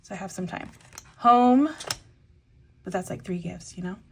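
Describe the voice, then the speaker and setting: A young woman talks through her weekly budget in a loose, rambling way, pausing on fillers as she decides each amount. Her voice sounds a little congested from a lingering cough. Clear clicks and tapping sit behind her. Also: mid-range voice, slight background noise. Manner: chatty, thinks aloud with many fillers. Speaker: budgeting vlogger. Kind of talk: casual voice-over while cash stuffing.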